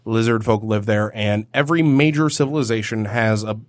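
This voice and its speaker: A man's voice: on the low side, brisk, dry recording. A man co-hosting a podcast in a studio, chatting casually and rambling a little about building a tabletop game world. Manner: relaxed, rambling with restarts. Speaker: podcast co-host leading the session.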